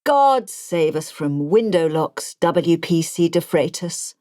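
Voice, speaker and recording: A woman voicing an imperious, sharp-witted elderly Englishwoman with an arch, commanding manner for an audiobook. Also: lowish voice, expressive, slow, no room sound, studio quality. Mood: arch, challenging.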